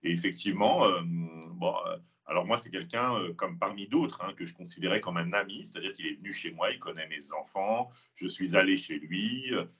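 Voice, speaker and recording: A very low-voiced man with a husky, slightly rough tone answers questions at a measured pace. He hesitates often and fills gaps with drawn-out filler sounds. The recording sounds dull and lo-fi. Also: a bit bright. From France, Île-de-France. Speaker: guest, police officer and author. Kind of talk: interview answers.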